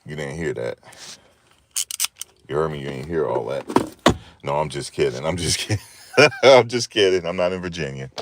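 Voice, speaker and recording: A man's voice: very deep voice, moderate pace, pauses often, background noise. A man hosting a livestream, chatting loosely with his viewers, joking and rambling as he goes. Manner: joking, rambling, talks back to chat. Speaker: livestream host. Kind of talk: casual chat with live viewers.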